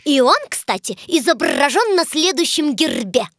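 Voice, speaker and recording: A woman playing a proud, excitable cartoon know-it-all who explains things to children in an expressive way. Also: sits high, unhurried, exaggerated voice. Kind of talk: children's educational cartoon dialogue.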